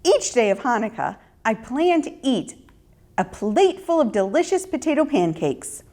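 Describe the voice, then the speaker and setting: Woman voicing a high-pitched, clever little storybook girl. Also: very animated, moderate pace, warm tone. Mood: earnest, persuasive. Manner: polite, earnest, persuasive. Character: brave, clever little girl fooling a wolf. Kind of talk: children's storybook character voice.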